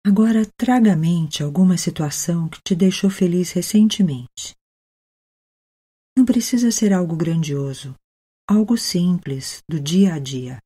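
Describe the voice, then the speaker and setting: Brazilian woman, meditation guide. Mellow, husky voice, gentle and unhurried delivery. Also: fairly low pitch, lively intonation. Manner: gentle, unhurried, with long pauses. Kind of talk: guided meditation, soothing narration.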